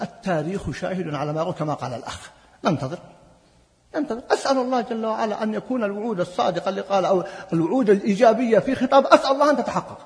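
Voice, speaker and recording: A man giving a religious lecture and answering audience questions, speaking emphatically and building to forceful appeals. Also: high voice. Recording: long hall reverb.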